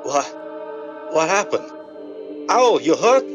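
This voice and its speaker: A man playing an excitable, cowardly crook in a 1930s radio drama style. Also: fairly high pitch, slow, highs cut off, loud music behind the voice. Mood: panicked. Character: panicky, cowardly male crook.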